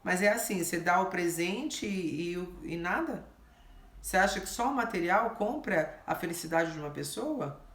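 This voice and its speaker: A woman with a Brazilian Portuguese accent gives casual advice, talking in a chatty, animated way. Her voice sits a little low. She drops into quick acted quotes as she goes, and the room around her sounds echoey. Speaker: host giving advice.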